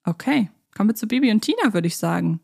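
A woman's voice: medium pitch, lively intonation, quick pace, vocal fry, a little mellow. A woman co-hosting a podcast in casual chat, talking like an enthusiastic fan who thinks aloud. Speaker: podcast co-host. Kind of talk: casual chat about children's audio plays.

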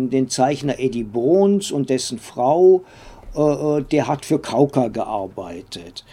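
An older man recounting memories in an interview, speaking haltingly with many drawn-out hesitations and little tag questions. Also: medium pitch, mellow, husky. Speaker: interview guest, former comics editor and publisher.

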